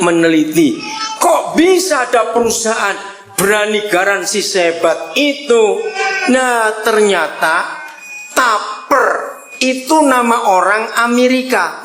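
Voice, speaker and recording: An older man preaching a sermon to a congregation in a lively, joking way, often checking in with his listeners. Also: high-pitched, echoey room. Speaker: pastor. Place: church before a congregation.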